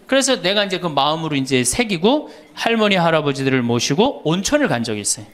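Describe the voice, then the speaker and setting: Lively high-voiced priest telling stories. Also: male voice, quick pace. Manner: animated storyteller, teasing questions to the audience, laughs often. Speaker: Catholic priest giving a lecture. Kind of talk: humorous lecture to a live audience.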